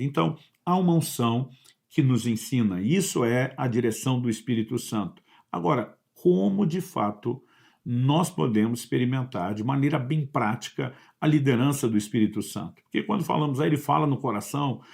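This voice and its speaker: A man's voice: mid-range voice, vocal fry, darkish tone. A man preaching a sermon, telling a story in an earnest way and retelling whole dialogues.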